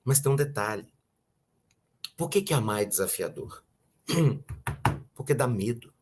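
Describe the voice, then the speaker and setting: A man with a Brazilian accent giving a conversational spiritual talk, often asking rhetorical questions and clearing his throat. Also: mid-range voice, animated, measured pace, noisy background. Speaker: spiritual teacher.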